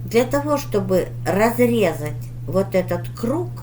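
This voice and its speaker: A woman reading tarot for her viewers in a deliberate, instructive manner, with pauses and emphatic advice. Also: mid-range voice, very animated, a little mellow, a little hiss or hum. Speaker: tarot reader hosting her channel.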